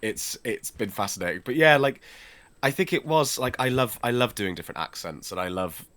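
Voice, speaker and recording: A man's voice: mid-range voice, lively intonation, brisk, fairly bright tone, no room sound. A man who speaks Welsh as his first language, chatting casually and playfully about voice acting while playing a game, slipping into impressions. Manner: playful, slips into impressions and accents. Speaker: guest voice actor. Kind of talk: casual chat while gaming.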